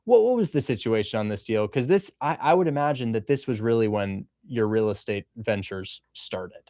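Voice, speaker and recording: A man's voice: fairly low pitch, animated, moderate pace, warm tone, no room sound, clean studio sound. A man hosting a livestream interview about real estate wholesaling, talking with energy and repeating his questions. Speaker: host, wholesaling coach.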